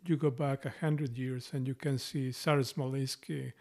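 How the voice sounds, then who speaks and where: Co-host, middle-aged man, strong Mexican accent, creaky texture, mid pitch, talks books thoughtfully. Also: steady tone, normal speed, a little mellow. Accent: Mexican Spanish. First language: Spanish. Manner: thoughtful, restarts phrases often. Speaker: podcast co-host. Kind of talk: casual book discussion.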